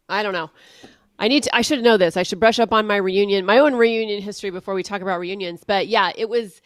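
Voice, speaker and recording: A woman co-hosting a podcast, chatting casually in a relaxed, reflective way and asking questions. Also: medium pitch, a little fast, no room sound, studio quality. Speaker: podcast co-host. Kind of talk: casual chat.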